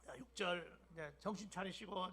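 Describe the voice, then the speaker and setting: Older male pastor, Jeolla dialect, high and gravelly, emphatic sermon delivery with whispered asides. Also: normal speed. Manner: emphatic preaching with sudden loud bursts and soft whispered drops. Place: church sanctuary.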